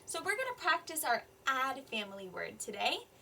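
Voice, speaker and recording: A woman teaching an online kindergarten reading lesson, talking slowly and clearly in a sing-song voice to small children. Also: high voice, sing-song, bright, forceful tone, a little hiss or hum. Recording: slightly distant mic with faint room ambience.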